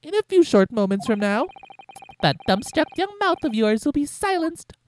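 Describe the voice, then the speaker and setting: A man's voice: very high voice, sing-song, moderate pace, a little hiss or hum, voice pushed up. A man voicing a smug, scheming male prosecutor in a video game, theatrical and menacing. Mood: taunting.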